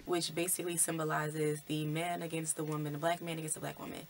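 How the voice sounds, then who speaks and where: A woman's voice: low-pitched, flat delivery, quick pace. A woman vlogger casually explaining the messages of a film, in a conversational way with many fillers.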